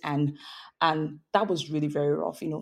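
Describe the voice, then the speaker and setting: Against a quiet background, a woman speaks at a fairly quick pace in a dark, mellow tone. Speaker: business analyst and public speaking club member. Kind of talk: interview.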